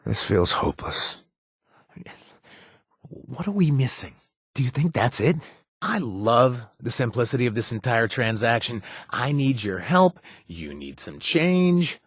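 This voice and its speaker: A man's voice: medium pitch, sing-song, measured pace, breathy edge, no echo. A man voicing a wry, sarcastic wasteland ally in a video game, talking with dry humor and frequent hesitations. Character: wry, sardonic wasteland man worried for his brother.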